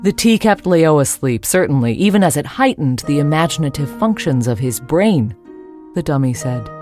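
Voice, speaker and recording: A woman's voice: deep voice, lively intonation, normal speed, warm tone, faint music behind. A woman reading a first-person ghost story as its narrator.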